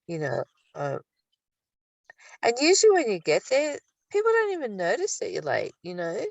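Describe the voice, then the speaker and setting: A woman's voice: medium pitch, wildly swooping pitch, moderate pace, creaky, no echo. An older woman speaking reflectively in a spiritual study discussion, recorded at a distance from the microphone. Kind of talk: reading aloud and reflective discussion.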